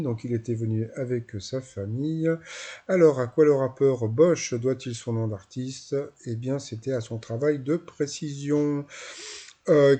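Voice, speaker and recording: A man's voice: medium pitch, dark tone. A man with a Marseille accent hosting his channel, recapping a game show in a rambling, hesitant way with mocking asides. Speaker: YouTube channel host.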